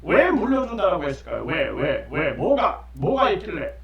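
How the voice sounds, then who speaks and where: A man's voice: a little high, very animated, moderate pace, creaky. A middle-aged man giving lecture-style political commentary as a channel host, emphatic and repeating his key phrases with frequent affirming fillers. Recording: roomy echo, distant mic, dull lo-fi sound.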